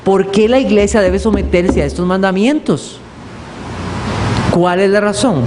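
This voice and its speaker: A male pastor teaching a sermon, posing questions to the congregation and answering them himself, reading scripture aloud with slow emphasis. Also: sits high. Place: church hall. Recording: echoey hall with background noise.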